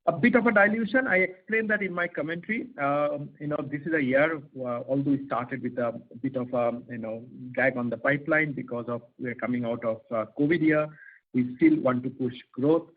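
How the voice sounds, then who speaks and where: A man's voice: medium pitch, a little fast. Man on a tinny phone line. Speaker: company finance executive. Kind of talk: earnings call commentary, partly prepared, partly off the cuff. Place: conference call over phone line.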